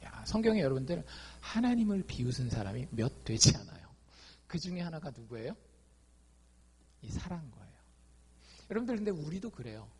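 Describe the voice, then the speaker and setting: A man preaching a sermon as a pastor, lively, acting out quoted dialogue in his talk. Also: a little high, fairly quick, pauses often, husky. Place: church.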